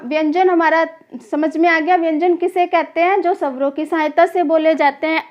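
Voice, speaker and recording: A woman's voice: high voice, lo-fi sound. A woman teaching a grammar class to exam students, who keeps asking questions and answering them herself, repeats key terms, and calls her students children.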